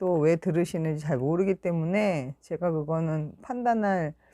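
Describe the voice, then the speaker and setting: A woman speaks at a very slow pace. Her pitch is fairly low, with ordinary variation. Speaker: language teacher and YouTuber. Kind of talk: casual monologue.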